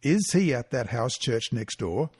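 A man's voice: medium pitch, lively intonation, a little slow, darkish tone, slightly rough, dry recording, studio quality. A man voicing a stern, angry army officer father in a read-aloud story, speaking firmly and commandingly. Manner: firm, commanding.

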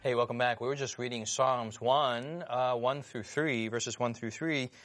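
A man's voice: medium pitch, fairly even intonation, fairly bright tone, soft background music. A man hosting a Bible discussion show, posing questions and leading the talk. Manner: questioning, leads discussion, brisk wrap-ups. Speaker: host.

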